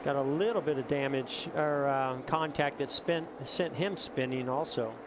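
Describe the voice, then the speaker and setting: A man's voice: medium pitch, normal speed. A man working as a motorsport commentator and analyst, explaining incidents on a race broadcast. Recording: noisy race broadcast, engine roar. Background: race cars and outdoor track noise.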